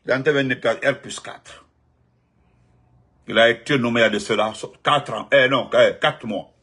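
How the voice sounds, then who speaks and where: Husky, emphatic Guinean French man. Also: mid-range voice, normal speed. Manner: emphatic, repetitive, swings between loud outbursts and muttered asides. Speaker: political commentator. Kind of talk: spontaneous political commentary.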